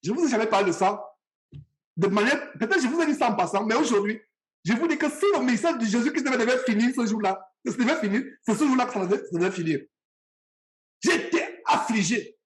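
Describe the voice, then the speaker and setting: A man from Cameroon, preaching a sermon and speaking straight to his listeners with passion and repetition. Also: high-pitched.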